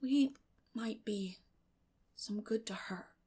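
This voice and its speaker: A woman voicing a shy, gentle old bachelor farmer in an audiobook, halting and soft-spoken, with a breathy, hushed voice. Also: mid-range voice. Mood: timid, kindly.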